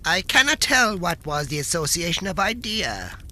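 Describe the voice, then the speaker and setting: A dazed, tipsy court jester, as a man puts him on, who speaks in a quiet and absent way. The voice is bright and lively in pitch, slightly higher than usual. He is in a storybook reading. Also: normal speed, a little hiss or hum. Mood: tranquil. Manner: quiet, abstracted. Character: bewildered, tipsy male court jester dwarf.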